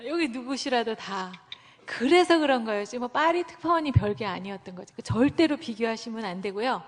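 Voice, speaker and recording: Woman preacher, higher voice, animated storyteller, long hall reverb. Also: fairly quick. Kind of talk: sermon.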